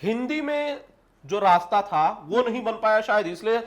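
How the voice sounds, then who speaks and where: A man's voice: high-pitched, expressive, normal speed. Playful male entertainment interviewer. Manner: playful, teasing questions, laughs while asking. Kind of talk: film-industry interview.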